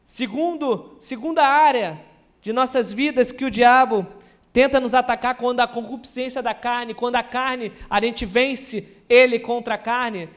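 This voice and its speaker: High-voiced Brazilian preacher man. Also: fairly even intonation, unhurried, fairly bright tone. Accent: Brazilian Portuguese. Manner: earnest, repeats words and restarts, acts out quoted lines. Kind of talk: sermon. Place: church service.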